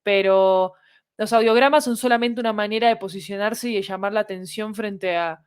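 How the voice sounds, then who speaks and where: A woman's voice: mid-range voice, normal speed, smooth, dry recording, studio quality. A woman, speaking as an interview guest and explaining ideas articulately, point by point. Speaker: interview guest, audio fiction creator.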